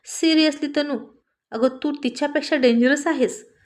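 A stern, affectionate father scolds his son and teases his wife in a storybook tale, read out by a woman. The voice sits a little high and speaks firmly, with a playful edge. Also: steady tone, moderate pace, a little mellow, close to an everyday voice. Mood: stern, teasing. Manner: firm, lecturing, teasing.

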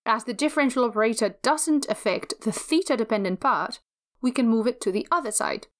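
A woman with a fairly high voice narrates a physics lecture. She explains each step in a measured, methodical way.

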